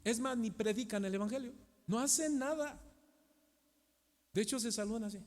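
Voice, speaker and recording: A middle-aged Mexican pastor preaching a sermon, asking the congregation questions and moving between loud and hushed delivery. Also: male voice, very high-pitched, normal speed. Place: church hall. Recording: long church hall reverb.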